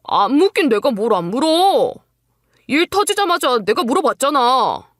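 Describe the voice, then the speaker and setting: A woman's voice: high voice, sing-song, moderate pace, fairly bright tone, no echo, clean studio sound. A woman voicing a callous, defensive husband in a dramatised story, with a dismissive way of talking. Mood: indignant.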